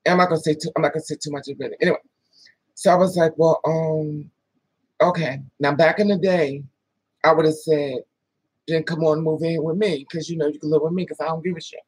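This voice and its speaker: A woman's voice: deep voice, fairly even intonation, a little fast, a little mellow, husky, dry recording, low-quality recording. A woman in her thirties, vlogging a dating story in casual, profane storytelling, acting out both sides of the talk with laughing asides. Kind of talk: casual storytelling with quoted dialogue.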